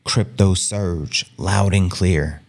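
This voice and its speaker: A man hosting a live stream, talking in a casual, hushed, low-key way and chuckling often. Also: slow. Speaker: livestream host. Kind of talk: casual live market commentary.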